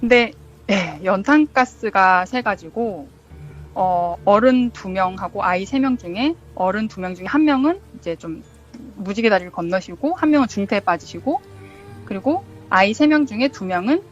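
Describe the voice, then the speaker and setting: A woman at an ordinary middle pitch tells a true ghost story from her childhood. She talks in a loose, chatty way, full of fillers, and acts out the lines she quotes. The recording is dull and lo-fi, with faint music under it. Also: animated, normal speed. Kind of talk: casual storytelling interview.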